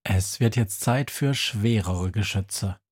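A man narrating a children's audiobook in a calm, measured way, with a husky voice. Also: lowish voice.

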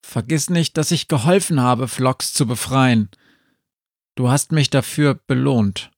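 A man's voice: medium pitch, measured pace, dry recording, studio quality. A man voicing a determined young witch apprentice girl, urgent and pleading.

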